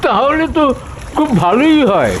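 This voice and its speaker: A man's voice: very high-pitched, sing-song, measured pace, a little hiss or hum, exaggerated voice. A man playing a deferential, cautioning old village gardener in a dramatized audio story. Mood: obliging, cautious.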